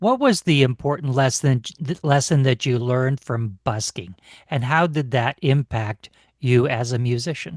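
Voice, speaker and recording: A man's normal speaking voice, medium in pitch, with ordinary pitch variation at a moderate pace over a quiet background. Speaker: radio show host, interviewer. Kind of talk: radio interview.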